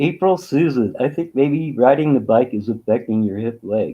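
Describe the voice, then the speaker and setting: In an American accent, a man with a plain, everyday voice talks at a medium pitch and a moderate pace with ordinary pitch variation. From Chicago and Denver. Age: 60s. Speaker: YouTuber. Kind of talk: casual livestream chat. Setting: live stream reading chat. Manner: rambling, casual with fillers.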